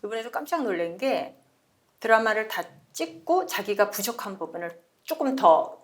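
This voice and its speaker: A woman's voice: mid-range voice, very animated, moderate pace. An older woman from Seoul, an actress guest on a talk show, chatting casually and telling anecdotes, acting out quoted dialogue and laughing often. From Seoul, South Korea. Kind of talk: casual interview chat.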